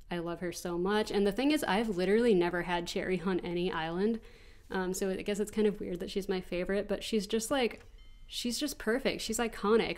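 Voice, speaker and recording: A woman in her twenties with an American accent, stuffy from allergies, chatting casually as she answers viewer questions over gameplay. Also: fairly low pitch. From United States. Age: 20s. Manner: chatty, rambling, frequent ums and restarts. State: congested from allergies. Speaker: gaming channel host.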